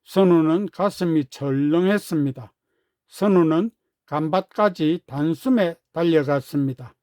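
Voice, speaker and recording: A man narrating a children's storybook in a gentle, unhurried way. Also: on the high side, no echo, clean studio sound.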